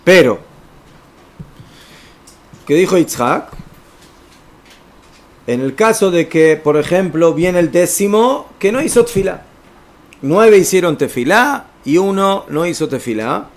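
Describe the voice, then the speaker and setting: A man's voice: sits high, expressive, slow, long pauses. A man teaching an informal religious law lesson, explaining step by step and checking in with his listeners. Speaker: rabbi teaching a class.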